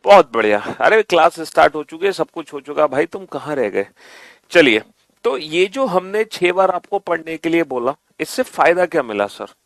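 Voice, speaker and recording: A male teacher with a high voice runs an online exam-prep class, chanting memory tricks and repeating instructions. He playfully scolds the students as he drills them. The sound is dry and close. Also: lively intonation, normal speed, creaky, fairly bright tone, no echo.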